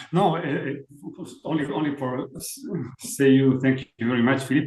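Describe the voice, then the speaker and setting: A man speaks with a Spanish accent. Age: 50s. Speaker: university researcher and seminar moderator. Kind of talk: seminar discussion. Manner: halting, many fillers.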